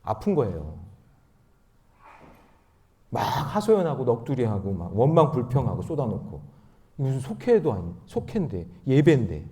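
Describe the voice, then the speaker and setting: A male pastor preaching at a dawn prayer meeting. He is animated, swinging from loud emphasis to quiet asides, and leads the congregation in reading scripture aloud. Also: medium pitch, moderate pace, long pauses.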